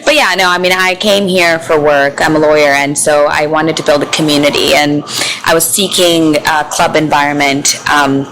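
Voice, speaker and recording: A woman's voice: deep voice, fairly even intonation, moderate pace, background noise. A young woman, born in India and raised in Houston, chatting as a podcast guest about her work as a lawyer, laughing easily and using many fillers. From born in India, raised in Houston, Texas. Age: young adult. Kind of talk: casual chat.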